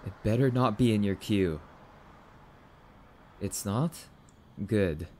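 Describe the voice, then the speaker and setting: Casting: male actor as sulky, skittish catboy boyfriend for ASMR roleplay, lowish voice, unhurried, noisy recording. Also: darkish tone. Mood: appalled, wary. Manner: stammering, defensive, sulky. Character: grumpy, easily spooked, affectionate young catboy boyfriend.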